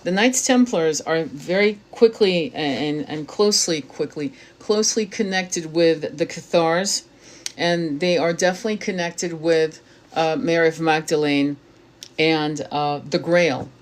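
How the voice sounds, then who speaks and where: A woman's voice: sits low, unhurried. A woman hosting her own channel, reading aloud from a book and breaking off into blunt, casual commentary with frequent swearing and stumbles. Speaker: tarot reader and spiritual channel host.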